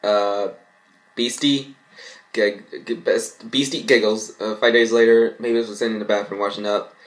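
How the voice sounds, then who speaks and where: A man's voice: lowish voice, steady tone, normal speed, poor audio. Young man reading aloud, stumbling over words. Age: young adult. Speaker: vlogger. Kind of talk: reading fan fiction aloud with mocking commentary. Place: small bedroom indoors.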